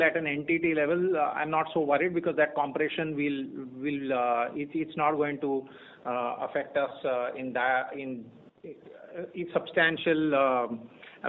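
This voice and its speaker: A man with an Indian accent gives unscripted executive answers on an earnings call, measured and halting, often repeating phrases as he searches for words. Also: on the high side, steady tone. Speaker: company executive answering analyst questions. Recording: tinny narrow-band phone conference line.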